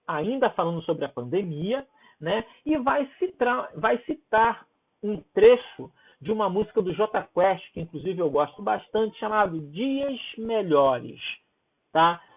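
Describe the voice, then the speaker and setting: Guy teacher going over homework, super casual, keeps going "right?", tinny phone-ish sound, voice swings up and down a lot. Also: sits high. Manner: informal, checks in with "né?" and "tá?". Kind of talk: recorded homework walkthrough for pupils.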